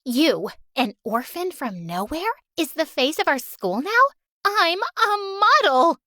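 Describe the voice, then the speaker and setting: A woman voicing a spoiled, jealous teenage girl bully with a shrill, whiny manner. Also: very animated, a little slow, fairly bright tone, no room sound, studio quality, exaggerated voice. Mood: sneering.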